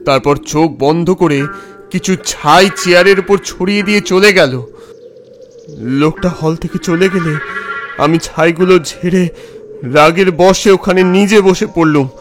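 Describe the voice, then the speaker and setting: Man acting a scared village man, higher-pitched, stammering, repetitive, horror-story drama, faint music. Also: a little slow. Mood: uneasy. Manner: stammering, repeating words, breathless. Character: Subimal, frightened, jittery poor village man. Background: background music.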